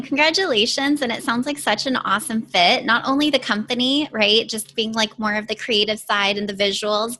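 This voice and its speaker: A woman's voice: a little high, pushed and bright, rough recording. A woman career coach asking her client questions in an encouraging, enthusiastic way. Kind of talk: upbeat interview questions.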